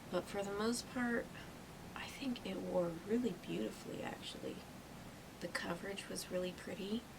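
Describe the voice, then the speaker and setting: A woman speaks at a moderate pace with long, frequent pauses, her voice carrying audible room echo over noticeable background noise. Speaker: beauty vlogger. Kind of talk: product review and makeup tutorial. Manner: casual, chatty.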